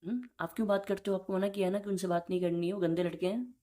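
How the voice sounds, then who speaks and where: A man's voice: sits high, steady tone, rapid-fire, warm tone. A young man in an intimate relationship argument, speaking in a reproachful, insistent and repetitive way. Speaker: boyfriend in a relationship call.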